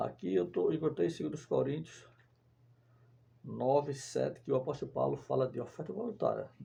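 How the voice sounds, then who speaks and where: Pausing often and at length, a man speaks at a moderate speed. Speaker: religious commentator. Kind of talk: video commentary. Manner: soft-spoken.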